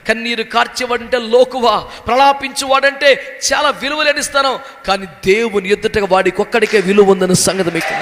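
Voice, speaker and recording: A man's voice: high-pitched, sharp tone. A man preaching a sermon as a pastor, dramatically acting out the voices he quotes. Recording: long hall reverb.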